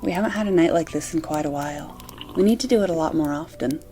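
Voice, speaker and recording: A woman's voice: low voice, quick pace, mellow, slight background noise, natural voice, low-quality recording. A woman playing an affectionate, playful romantic partner in an amateur audio drama, with a cozy, teasing manner.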